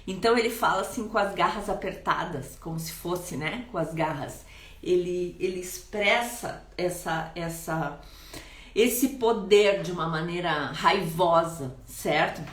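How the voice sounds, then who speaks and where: A woman with a Brazilian Portuguese accent giving parenting advice to camera, speaking deliberately with pauses and restarts. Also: fairly low pitch. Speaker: parenting coach. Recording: echoey room.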